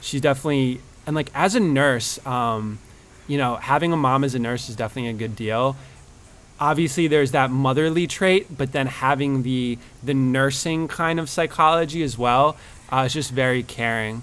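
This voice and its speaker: Here a man speaks in a New Jersey accent at a moderate pace. His medium pitch shows ordinary variation. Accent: New Jersey American. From New Jersey, US. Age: 20s. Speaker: marketer. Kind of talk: casual interview. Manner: hesitant fillers.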